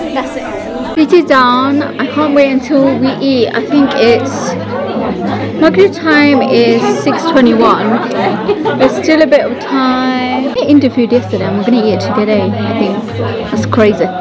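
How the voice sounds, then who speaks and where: Fairly slow speech from a woman amid crowd noise in the background. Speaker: beauty influencer. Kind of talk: casual vlog chat. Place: hall. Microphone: phone near.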